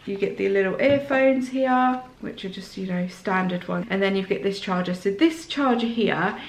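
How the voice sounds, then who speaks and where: A woman vlogger with a slight sore throat, chatting excitedly through a casual unboxing indoors. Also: mid-range voice, moderate pace, echoey room, low-quality recording.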